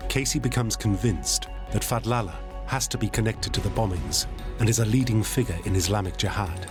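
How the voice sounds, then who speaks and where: Low-voiced male documentary narrator. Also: brisk, music in the background. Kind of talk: scripted narration.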